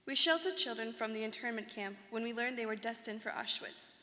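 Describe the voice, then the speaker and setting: A bright, fairly high-voiced young woman acting as an earnest alumna recounting her life. She delivers a scripted stage reading in a measured way, with the long reverb of a hall around her. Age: young adult. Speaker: student performer in a dramatic reading. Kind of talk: scripted first-person dramatic reading. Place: large hall.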